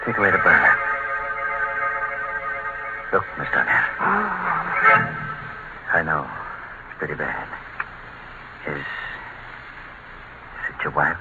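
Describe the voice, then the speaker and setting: An actor playing a brisk, matter-of-fact police detective in a 1940s radio drama, on a lo-fi broadcast recording with music. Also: male voice, extremely low pitch, heavily acted. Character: gruff plainspoken police detective, middle-aged man.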